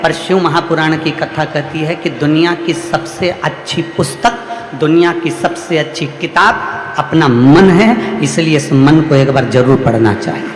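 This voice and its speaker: Male preacher, high voice, rhythmic repetitive sermon, roomy hall with music behind. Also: a little slow, noisy background. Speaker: religious storyteller. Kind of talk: devotional sermon. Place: large hall at a religious gathering.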